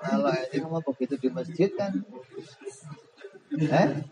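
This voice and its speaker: A slow-paced man leads a religious book study in an unhurried way. He teaches in a relaxed, humorous manner and poses questions to his listeners. His voice sits at a middling pitch, with faint room noise behind it. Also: low-quality recording. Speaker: Islamic boarding school teacher.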